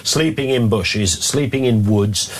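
A man's voice: lowish voice, a little slow, low-quality recording. A man hosting an opinionated chat show, talking in a wry, mocking and playful way. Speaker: host.

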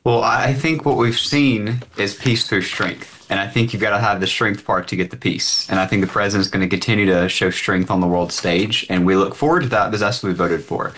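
Assertive low-voiced American commentator. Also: male voice, a little fast, few pauses, fairly bright tone. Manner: assertive, emphatic talking points. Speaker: guest commentator. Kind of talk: political commentary.

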